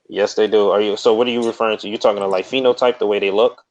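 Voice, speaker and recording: A man with a fairly deep voice argues in an informal debate. He is insistent and tends to repeat his phrases as he pushes his point. The recording is a little dull and lo-fi. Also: fairly even intonation, fast, darkish tone. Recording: dull, lo-fi audio.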